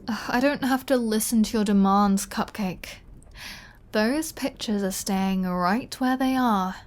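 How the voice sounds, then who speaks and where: A woman's voice: medium pitch, natural voice. Casting: a woman to play a seductive, possessive vampire lady for ASMR audio drama; leisurely delivery, teasing menace. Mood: playful, flirty. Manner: slow, teasing, playfully threatening.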